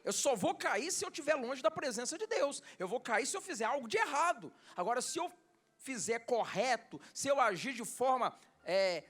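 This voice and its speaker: A man's voice: very high-pitched, a bit bright. A Brazilian man preaching a sermon to his church, reading scripture and calling out questions to the congregation. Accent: Brazilian Portuguese. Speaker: pastor.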